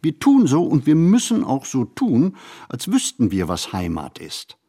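A man reads a reflective literary monologue for a radio play, phrasing deliberately and expressively with pauses. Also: mid-range voice, huge pitch swings, dark tone, breathy edge.

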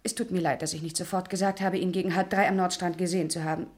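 A woman's voice: fairly low pitch, little pitch movement, fast talker, darkish tone, natural voice. An actress playing a poised female witness, polite, precise and coolly accusing, in a German radio crime drama. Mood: pointedly accusing.

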